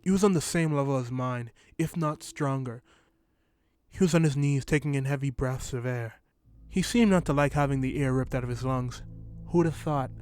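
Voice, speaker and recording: Male narrator, first-person short story, steady even delivery, mid pitch, dry close mic. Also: normal speed, clean tone, dry recording.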